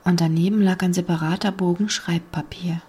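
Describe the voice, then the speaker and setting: Woman narrator, audiobook thriller, measured and hushed at times, low and husky voice. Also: fairly even intonation.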